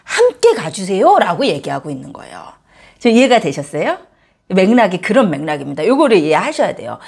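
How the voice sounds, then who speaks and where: A woman pastor giving a church sermon, animated and joking, speaking directly to her congregation. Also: mid-range voice, a little fast, creaky, husky. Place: church service.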